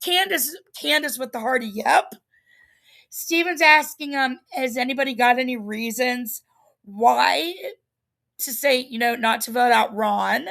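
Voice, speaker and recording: A woman with a high voice and a bit of gravel in it, talking slowly. She chats through a show recap, rambling, full of "um" and "you know," and laughing at herself. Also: a bit bright. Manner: chatty, rambling, laughs at herself, many fillers. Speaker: livestream host recapping a reality show. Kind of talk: casual solo recap.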